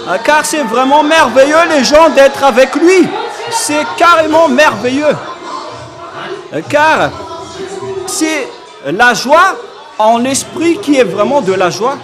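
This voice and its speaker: High-voiced man preaching loudly over music. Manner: emphatic, often shouting. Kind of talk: sermon. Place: church service. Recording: live church recording with music and crowd.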